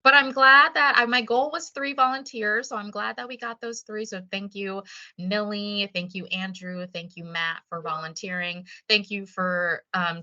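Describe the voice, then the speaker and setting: A woman's voice: mid-range voice, pushed and bright, dull audio. A woman hosting an online meeting, chatting casually and encouragingly over a video call. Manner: upbeat and encouraging. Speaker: meeting host.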